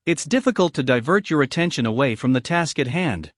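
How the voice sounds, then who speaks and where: A man's voice: fairly high pitch, lively intonation, fairly quick, dry recording. A man with a Greek accent narrating a self-help audiobook, reading expressively and asking the listener many questions.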